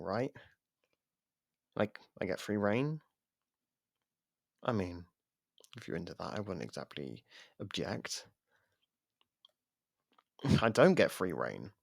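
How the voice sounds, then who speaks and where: Casting: male actor as a taunting, flirtatious imprisoned killer for ASMR roleplay; husky, unhurried, sarcastic drawl. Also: deep voice, dry recording, clean studio sound, full character voice. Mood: teasing, flirtatious. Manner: drawling, sarcastic, teasing delivery. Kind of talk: ASMR roleplay audio drama.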